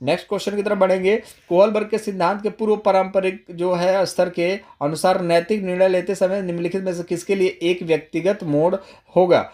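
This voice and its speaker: A man's voice: high-pitched, little pitch movement, fairly quick, hardly any pauses, darkish tone. A man teaching an exam-prep lesson, explaining step by step and speaking directly to viewers, often restating points. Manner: repeats and rephrases, addresses viewers directly. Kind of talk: explanatory lecture.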